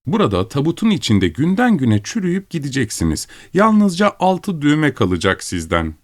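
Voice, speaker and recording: Guy putting on a cocky corpse who sneers and taunts, higher voice that jumps around a lot. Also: huge pitch swings, moderate pace, dry recording, studio quality. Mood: taunting. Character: mocking insolent dead young man. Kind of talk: audiobook character reading.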